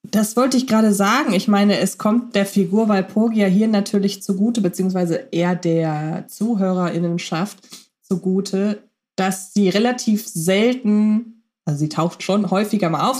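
A woman's voice: mid-range voice, moderate pace, a little mellow. A woman co-hosting a podcast, chatting enthusiastically and thinking aloud with fillers. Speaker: podcast co-host. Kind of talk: casual podcast chat about radio plays.

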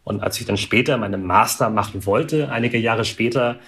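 Interview guest, male, thirties, low voice, calm and analytical, occasional hesitations. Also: moderate pace. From Germany. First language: Vietnamese. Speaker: guest, alumnus. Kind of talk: reflective interview answers.

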